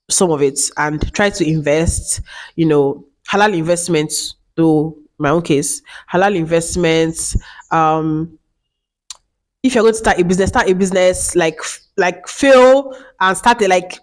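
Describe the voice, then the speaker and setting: A woman in her late twenties talking casually to camera as a vlogger, chatty and repeating herself, with many fillers. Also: on the low side. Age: 20s.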